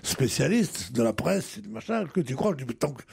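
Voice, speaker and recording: Older man, gravelly raspy voice, rambling provocative radio panelist, casual storytelling, a bit high. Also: big pitch swings, fairly quick, darkish tone. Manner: rambling, repeats words, provocative humor.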